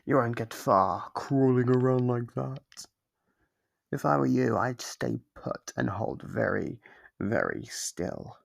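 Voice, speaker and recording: A man's voice: medium pitch, lively intonation, slow, full character voice. A man voicing a sadistic, playful monster holding human prey captive, menacing and theatrical as he muses aloud in an ASMR horror roleplay. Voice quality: gravelly, husky.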